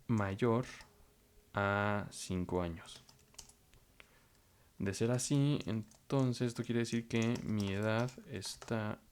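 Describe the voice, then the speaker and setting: A man's voice: mid-range voice, darkish tone, smooth. A man teaching programming, walking through code step by step and thinking aloud as he goes. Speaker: programming instructor. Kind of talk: screen-recorded coding tutorial.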